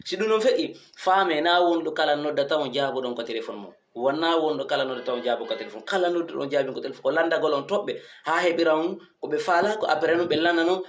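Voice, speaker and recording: Male online commentator, higher-pitched voice, emphatic and questioning, roomy echo. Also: fast talker, a little hiss or hum. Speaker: online commentator addressing followers. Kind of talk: informal commentary monologue to followers. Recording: echoey untreated room.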